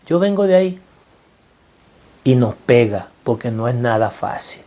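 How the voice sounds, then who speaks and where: A man's voice: mid-range voice, sing-song, measured pace, darkish tone. A middle-aged man with a Venezuelan accent giving an earnest, preacherly motivational talk, repeating phrases for emphasis. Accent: Venezuelan Spanish. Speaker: financial mindset speaker.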